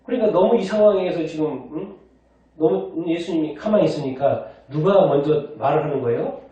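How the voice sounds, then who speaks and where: A male pastor preaches in a church sanctuary, picked up from a distance in a lo-fi, echoey recording. His voice is fairly high for a man but mellow and soft in tone. He keeps asking the congregation questions and answers them himself. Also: brisk. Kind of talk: sermon.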